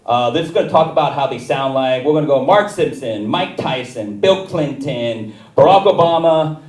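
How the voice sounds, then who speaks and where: A man's voice: medium pitch, animated, moderate pace. A middle-aged man doing rambling, self-deprecating stand-up on a theater stage. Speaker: student stand-up comic. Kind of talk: stand-up comedy. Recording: echoey theater, far mic.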